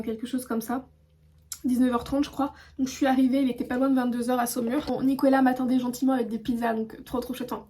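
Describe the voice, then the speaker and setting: A woman's voice: sits high, warm tone. A woman from France chatting casually to her phone camera in a hotel room, rambling with many fillers and restarts. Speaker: vlogger. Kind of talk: casual vlog chat to camera.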